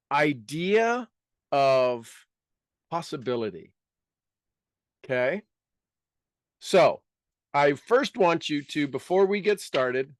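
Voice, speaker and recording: A man with a slightly raised pitch and clean tone leads a motivational workshop before a live audience, teaching in a seminar format. He speaks emphatically and repeats key words for effect, in dry sound with little room echo.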